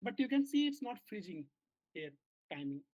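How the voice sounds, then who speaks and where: A man who is a software engineer, walking his team through a bug in a work meeting on a video call, with halting speech full of fillers and restarts. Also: high voice, sing-song, dry recording. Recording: dull lo-fi call audio.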